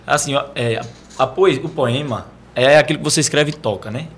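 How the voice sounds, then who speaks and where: A man's voice: mid-range voice, brisk, fairly bright tone. A man from Brazil, a poet being interviewed, explaining casually and often checking if the listener follows. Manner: explanatory, repeats "né" and "entendeu". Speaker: poet guest.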